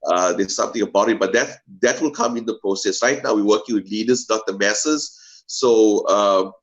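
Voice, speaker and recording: A man's voice: fairly low pitch, moderate pace, highs cut off. A man speaking earnestly as a guest on a video call, hesitating with many fillers. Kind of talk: casual pitch talk.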